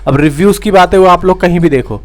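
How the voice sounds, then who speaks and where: A man's voice: high-pitched, fast talker. A young man giving a casual, insistent film news update to his viewers, repeating himself and calling them brothers and friends. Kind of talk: casual direct-to-camera update.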